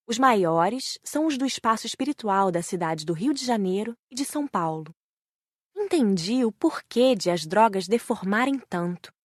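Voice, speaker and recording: A woman's voice: mid-range voice, dry recording. Woman narrating an audiobook, dry sound. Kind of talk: scripted first-person narration.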